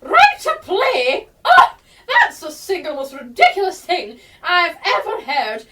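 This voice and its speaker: A woman's voice: extremely high pitch, huge pitch swings, slow pace, pushed and bright, exaggerated voice. A woman playing an eccentric, mocking, childishly quarrelsome woman who talks in teasing riddles, in a radio play. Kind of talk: theatrical radio play acting.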